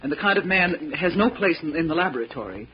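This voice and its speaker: An actress playing an anxious, principled laboratory assistant who stands up defiantly, earnest and dramatic in 1940s radio style. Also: female voice, low-pitched, lively intonation, quick pace. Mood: indignant. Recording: dull, hissy old radio recording.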